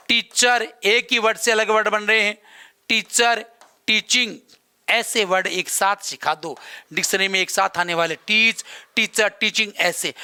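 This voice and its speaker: A man's voice: sits high, bright, forceful tone. A man lecturing an exam-prep class, repeating key terms and mixing English words into his explanations. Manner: gives examples and writes on a board while talking. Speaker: teacher.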